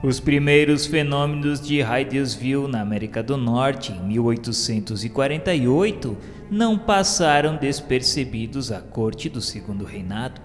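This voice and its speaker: A man's voice: medium pitch, expressive, moderate pace, few pauses. A man with a Brazilian accent narrating a radio novela in a solemn, reverent, formal literary style. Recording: long reverb with music bed.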